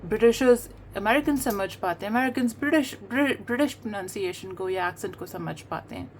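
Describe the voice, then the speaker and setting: A middle-aged woman whose mother tongue is Hindi-Urdu, explaining accent and pronunciation in an earnest way, pausing often and mixing in English phrases. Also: mid-range voice, lively intonation, a little hiss or hum. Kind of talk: talking-head monologue on language teaching.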